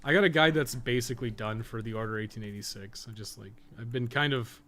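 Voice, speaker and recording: A man's voice: medium pitch, quick pace, fairly bright tone. A man chatting casually on a live game stream, rambling, thinking aloud and swearing freely.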